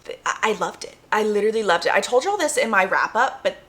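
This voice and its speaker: A woman's voice: medium pitch, expressive, quick pace, a bit bright. A young American woman chatting casually and enthusiastically to her viewers, gushing and emphatic, repeating phrases for effect. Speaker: book reviewer vlogger.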